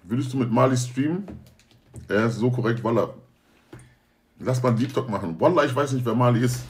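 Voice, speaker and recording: A man's voice: medium pitch, a little fast, darkish tone. A young man talking casually to viewers on a livestream, slangy and joking, often swearing oaths. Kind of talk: casual stream chat.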